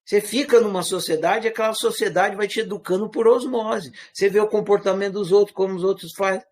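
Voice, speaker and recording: A man with a Brazilian accent that is partly from Minas Gerais and partly rural caipira, giving an informal, animated lecture full of rhetorical questions. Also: high-pitched, brisk. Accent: Brazilian Portuguese, part Minas Gerais, part rural caipira. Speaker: teacher.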